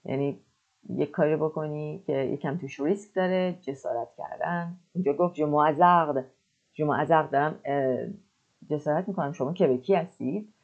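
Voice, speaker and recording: A woman teaching French. She explains words in Persian and repeats French phrases slowly and carefully. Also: low voice, a little mellow, highs cut off. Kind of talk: explaining a language lesson.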